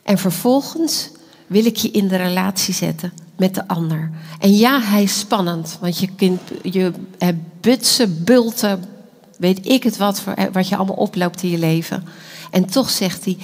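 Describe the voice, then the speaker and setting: A woman preaching a sermon with earnest, animated delivery and the odd hushed aside. Her voice sits at an ordinary middle pitch. The sound carries a long echo, as if recorded in a large hall. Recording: echoey hall.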